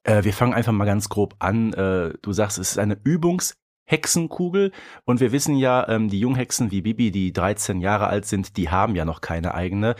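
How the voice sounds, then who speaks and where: A man's voice: on the low side, moderate pace. A man co-hosting a podcast, talking casually and conversationally about audio dramas. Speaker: podcast co-host.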